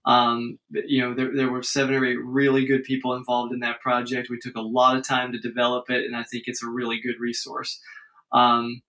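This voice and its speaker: A man's voice: medium pitch, completely flat delivery, brisk, bright, forceful tone, poor audio. A man, a speech-language pathologist, explaining his work in an earnest, conversational podcast interview with frequent restarts.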